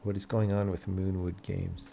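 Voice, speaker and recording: A man's voice: sits low, level tone, normal speed, gravelly, mellow. A man who hosts a game development livestream, chatting casually in a dry, grumbling, offhand way.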